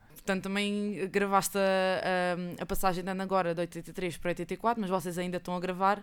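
A woman speaks at a medium pitch and a moderate pace, in a flat monotone with hardly any pauses. The recording is very clean, with a silent background. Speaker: podcast host. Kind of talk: casual chat.

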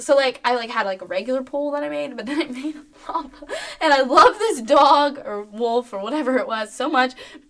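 Over noticeable background noise, a woman talks at a fairly quick pace in a high pitch, her tone animated and her intonation lively. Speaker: podcast co-host, theatre performer. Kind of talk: casual chat. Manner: animated, laughing often.

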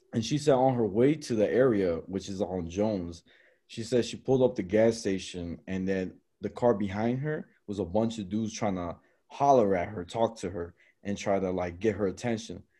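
At a moderate pace, a man speaks in a fairly low pitch and a dark, mellow tone against a quiet background. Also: ordinary pitch variation. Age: 20s. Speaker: podcast host. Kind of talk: casual chat.

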